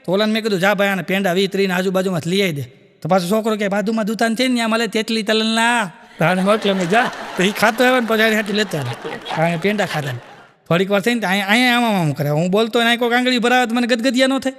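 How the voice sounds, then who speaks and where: A man doing stand-up comedy, telling quick anecdotes full of acted dialogue on a live stage. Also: high-pitched, fairly bright tone, in a large hall, a little hiss or hum. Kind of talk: Gujarati stand-up storytelling.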